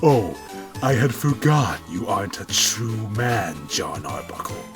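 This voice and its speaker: A man's voice: on the low side, big pitch swings, a little slow, over music. A man voicing a haughty, grandiose cartoon cat with pompous, mock-formal declamation. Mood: scornful.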